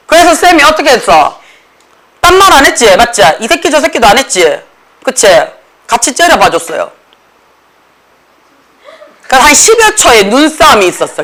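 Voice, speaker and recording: Casting note: a woman teacher with a Gyeongsang accent, blunt and animated, pitched a bit high. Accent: Gyeongsang Korean. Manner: animated, blunt, checks in constantly with students. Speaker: academy English teacher. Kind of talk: lively classroom lecture. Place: classroom.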